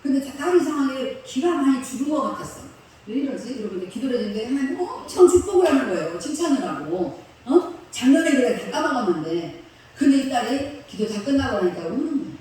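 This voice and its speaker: A woman's voice: high-pitched, sing-song, fast talker, dark tone. A woman pastor telling a story in a sermon, in a chatty, colloquial way, laughing along with the congregation. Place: church sanctuary. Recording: echoey hall from far off.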